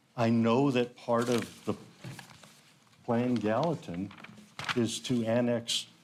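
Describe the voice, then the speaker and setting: Against noticeable background noise, a man with an American accent speaks at a medium pitch and a very slow pace. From Southern California. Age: 60s. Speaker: county commissioner. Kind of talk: public comment at council meeting. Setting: city council meeting.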